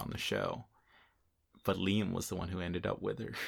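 A man with an unremarkable speaking voice talks fairly quickly with fairly even intonation in a very clean recording with a silent background. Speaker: podcast co-host and college student. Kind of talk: casual chat.

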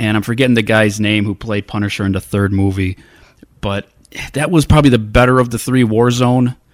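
A man with a normal speaking voice talks fairly quickly at a fairly low pitch with fairly even intonation, the sound dry and close with no echo. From Chicago area, US Midwest. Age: 40s. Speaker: podcast host. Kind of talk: solo casual podcast monologue.

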